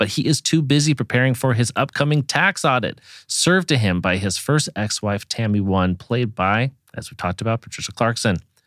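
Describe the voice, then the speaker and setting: At a fairly quick pace, a man with a normal speaking voice talks at medium pitch with lively intonation, on a very clean recording with a silent background and a dry, close sound with no echo. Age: 40s. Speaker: podcast co-host, writer. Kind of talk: casual chat.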